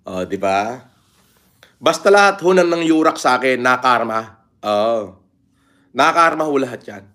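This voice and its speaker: A man's voice: medium pitch, lively intonation, a little slow, long pauses, pushed and bright. A middle-aged man talking bluntly on a casual livestream, swearing openly and reading out viewer comments. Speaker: livestream vlogger.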